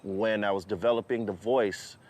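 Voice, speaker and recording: A man with a fairly low voice who recalls his influences in a loose, rambling way, full of fillers and restarts. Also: fairly even intonation, normal speed, a little mellow. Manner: conversational, many fillers and restarts. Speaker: hip-hop artist. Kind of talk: interview recollection.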